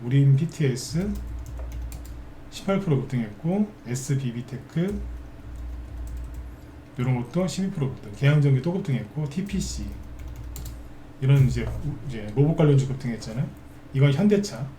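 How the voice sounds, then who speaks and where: A man's voice: medium pitch, lively intonation, moderate pace, pauses often, warm tone, roomy sound, a little hiss or hum. Chatty male stock market broadcaster. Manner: chatty, asks tag questions and answers himself. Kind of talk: live stock market commentary.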